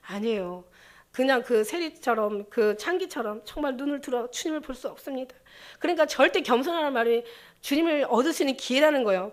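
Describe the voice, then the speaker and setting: A woman pastor preaching a sermon in an emotional, halting way, with many restarts. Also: high-pitched.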